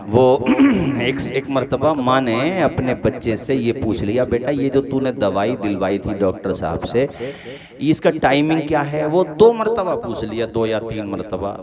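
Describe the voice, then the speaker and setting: A male preacher giving an emotional sermon, building to loud fervent peaks and calling on the listeners to answer. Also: on the low side. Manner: impassioned, rises to loud emotional peaks and urges the crowd to respond. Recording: live event with crowd responses. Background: crowd.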